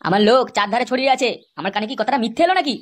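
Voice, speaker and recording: A man voicing a foul-mouthed, hot-tempered young cartoon husband with an aggressive manner and pitched-up voice. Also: very fast. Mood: accusing. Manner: aggressive, swearing.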